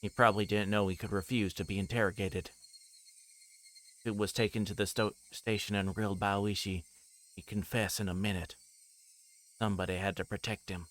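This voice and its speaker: A man's voice: on the low side, a little fast, pauses often. A man streaming a visual novel, reading the story aloud live and sometimes stumbling over a line and correcting himself. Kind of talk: live read-aloud of a story game, with asides. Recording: steady noise behind the voice.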